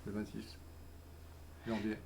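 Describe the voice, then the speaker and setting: A man's voice: on the low side, monotone, slow pace, gravelly, darkish tone, rough recording. A man, giving short, muted, deflecting replies in casual chat. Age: 40s. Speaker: livestream guest being teased.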